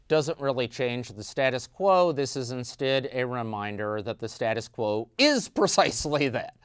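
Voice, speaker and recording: A middle-aged man talks through the week's church news in a measured, explanatory way, pausing often on "uh." His voice is smooth and resonant at an ordinary pitch. The sound is dry and close, with no room echo. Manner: measured, explanatory, frequent "uh" fillers. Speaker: news analyst. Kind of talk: news commentary.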